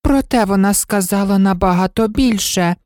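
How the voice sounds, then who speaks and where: A woman voicing the White Queen, a fretful queen who complains plaintively, in a storybook reading with a high voice. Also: moderate pace, a little mellow, no room sound, clean studio sound, close to an everyday voice.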